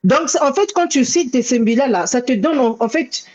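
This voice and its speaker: A woman's voice: high-pitched, lively intonation, moderate pace, a little mellow. A woman hosting a casual live video chat, talking emphatically, repeating herself and mixing in Kikongo words. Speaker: host of a live show. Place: in America.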